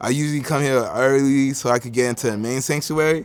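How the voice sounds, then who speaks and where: This man has an ordinary speaking voice with an American accent, pitched fairly high. He talks at a fairly quick pace. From Brooklyn, New York (Haitian family). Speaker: churchgoer giving testimony. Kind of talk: testimony.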